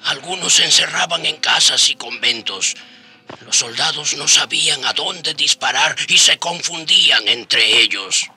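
A man's voice: medium pitch, pushed and bright. An actor playing a weary, humble old Indigenous prisoner, telling his story in a dramatic, reflective radio drama style. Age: older. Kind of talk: radio drama acting and narration. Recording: radio drama with faint background music.

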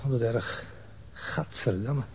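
An actor playing a queasy, disgusted robber in a radio drama, muttering in revulsion. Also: male voice, medium pitch, takes it slowly, darkish tone. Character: queasy, disgusted robber brought to view a corpse. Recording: faintly noisy drama recording.

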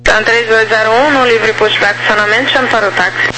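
A high-voiced Brazilian man speaks over a walkie-talkie style radio as a tower controller. He gives formal clearances and instructions. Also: steady tone, fast talker, music in the background, rough recording. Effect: two-way radio transmission. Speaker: tower air traffic controller.

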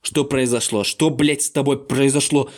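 A coarse, hot-tempered old grandfather of a martial clan, as an audiobook narrator puts him on. He curses and shouts, his voice pushed slightly higher and with a rougher, altered tone. The storybook delivery stays gruff and volatile. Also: steady tone, moderate pace, lightly acted. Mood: agitated. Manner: coarse, swearing, shouting in disbelief.

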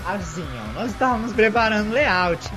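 A young man with a Brazilian accent co-hosting a casual podcast chat, telling stories in an animated way and acting out the people in them. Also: high voice, moderate pace, music in the background. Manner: animated storytelling, acts out voices in anecdotes. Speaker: podcast co-host.

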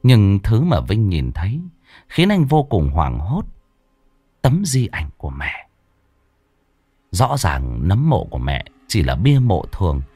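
A man narrating a ghost story in a slow, dramatic, hushed telling. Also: low-pitched, huge pitch swings, slightly rough, no echo. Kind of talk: scripted horror story narration. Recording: dry close voice with faint music.

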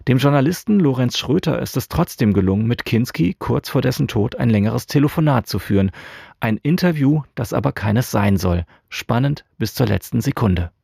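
A man's voice: medium pitch, animated, moderate pace, gravelly, darkish tone, husky, no echo. A man presenting a scripted radio introduction from a studio.

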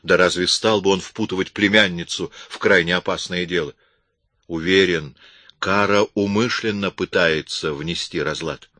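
A man voicing a cool, composed man who speaks calmly and persuasively. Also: deep voice, normal speed, no room sound. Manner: calm, persuasive. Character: cool composed man, calm under pressure.

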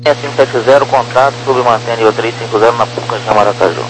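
A man's voice: medium pitch, fairly even intonation, fast talker. A Brazilian man speaking in clipped aviation phraseology over a radio. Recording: noisy humming aviation radio transmission.

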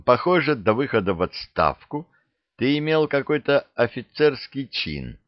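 A man reading the part of a space legion captain who asks careful, measured questions. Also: medium pitch, very animated, dry recording, muffled recording, pitched above the performer's own voice, lightly acted. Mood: probing. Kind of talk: audiobook character reading.

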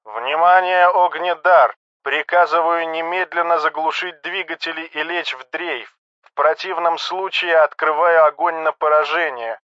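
A man's voice: a little high, fairly even intonation, measured pace, few pauses, no room sound, lo-fi sound. A man voicing a proud young male cadet captain who barks clipped military commands over a ship's radio intercom. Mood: commanding. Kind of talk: audiobook character reading.

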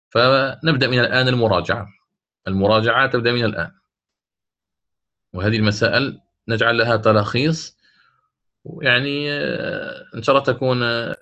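A man's voice: on the low side, sharp tone. A man teaching a lesson on Quran recitation rules, explaining lines of a teaching poem. He stretches out the quoted verses and corrects himself often. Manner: slows to chant quoted verses, then explains quickly; frequent self-corrections and fillers.

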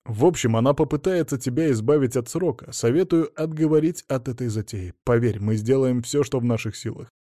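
A man's voice: mid-range voice, brisk, hardly any pauses, warm tone, dry recording, studio quality, natural voice. A man reading the part of a blunt middle-aged lawyer, who speaks in a frank, matter-of-fact way with a faint mocking edge. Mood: reassuring.

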